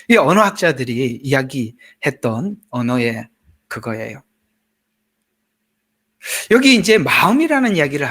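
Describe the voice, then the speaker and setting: A man's voice: on the high side, a bit bright, husky. A male pastor, preaching a sermon in a chatty, joking way with asides to the congregation. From Gyeongsang region, Korea.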